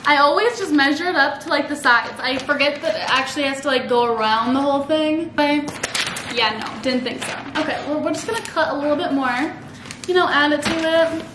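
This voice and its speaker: A woman's voice: high voice, fairly quick. A young woman chatting to camera while wrapping gifts at home, bubbly and full of "like" fillers, recorded on a camera across a table. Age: young adult. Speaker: vlogger. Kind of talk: casual chat to camera. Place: living room at home, indoors. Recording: echoey room with background noise.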